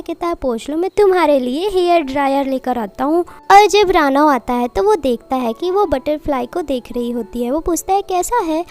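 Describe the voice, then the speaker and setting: High-voiced woman retelling a film. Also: a little mellow. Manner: retells dialogue in reported speech. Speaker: movie recap narrator. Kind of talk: casual storytelling recap.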